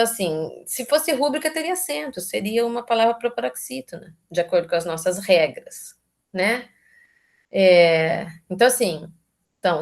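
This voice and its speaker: A Brazilian woman lectures in a loose, conversational way, tossing tag questions at her listeners. She breaks off and rephrases as she goes. Her pitch sits in a middle range. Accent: Brazilian Portuguese. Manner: chatty, constantly adds tag questions; restarts and self-corrects mid-sentence. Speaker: university lecturer. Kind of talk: informal live lecture.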